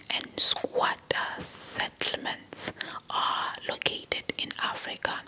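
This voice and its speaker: Casting: female ASMR narrator, breathy all-whisper delivery, very sharp and bright, repeats phrases deliberately. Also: rough recording. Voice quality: breathy, fully unvoiced whisper. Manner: slow, deliberate, often repeating words and phrases. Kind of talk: whispered ASMR lecture, reading informational text.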